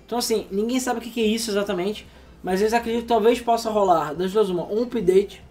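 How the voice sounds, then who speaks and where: A man's voice: high voice, fast, a little mellow, faint music behind. A sleepy man co-hosting a casual gaming chat, rambling and swearing freely. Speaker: podcast co-host.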